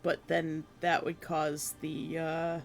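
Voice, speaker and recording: A streamer chatting casually with viewers from their room at home, rambling and laughing at themselves, with a hoarse voice that is giving out. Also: medium pitch, monotone, takes it slowly, faint music behind. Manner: rambling, self-deprecating, laughs often. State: hoarse, losing voice.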